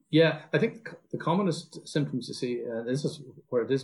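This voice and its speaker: A man speaks with an Irish accent in a somewhat breathy voice. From Ireland. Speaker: physician and professor. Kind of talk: interview. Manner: hesitant, many fillers.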